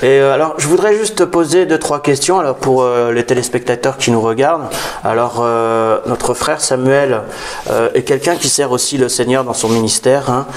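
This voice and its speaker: A man of Algerian origin hosting a Christian interview show, speaking calmly with many small agreeing words. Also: mid-range voice, slight background noise. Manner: unhurried, frequent "d'accord" and "hein". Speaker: host.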